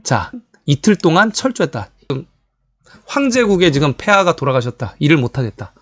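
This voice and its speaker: Animated man giving a history lecture. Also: on the high side, brisk, dry recording. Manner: animated, rhetorical questions, addresses viewers directly.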